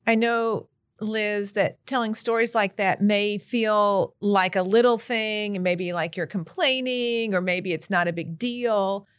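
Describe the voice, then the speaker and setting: A woman's voice: medium pitch, fairly even intonation, unhurried, clean tone, no room sound. A woman hosting a podcast, responding to a colleague in a supportive, reflective way. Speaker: podcast host. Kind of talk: podcast conversation.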